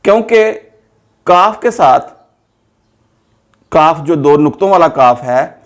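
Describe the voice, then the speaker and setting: A man's voice: fairly high pitch, lively intonation, slow. A man with a Pakistani Urdu accent teaching a spelling lesson, spelling words out letter by letter and drawing out each example word. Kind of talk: slow, methodical spoken lesson.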